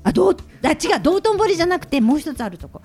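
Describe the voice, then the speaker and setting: Giggly, animated woman co-host. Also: very high voice, rapid-fire, soft background music. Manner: lively, giggly storytelling. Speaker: radio show co-host. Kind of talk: casual chat.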